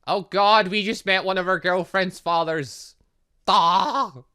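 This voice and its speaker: A man giving excitable, rambling casual commentary as he plays a visual novel as a gaming host. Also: high-pitched, takes it slowly, clear, resonant tone. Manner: excitable, rambling, reacting aloud. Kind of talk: casual game commentary with lines read aloud from a visual novel.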